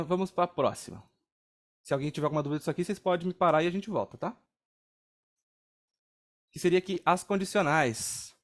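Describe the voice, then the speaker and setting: A young Brazilian man with a Brazilian Portuguese accent teaching a live coding class, walking through each step casually and checking in with his students. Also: high voice. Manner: casual, explains step by step, frequent "tá?" and "ó". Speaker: programming instructor.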